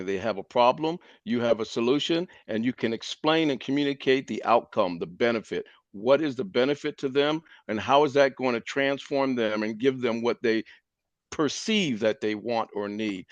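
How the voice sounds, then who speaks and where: A man's voice: medium pitch, no echo. Man, meeting lead, emphatic and preachy, dry muffled call audio. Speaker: meeting leader. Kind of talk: motivational meeting talk. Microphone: video call.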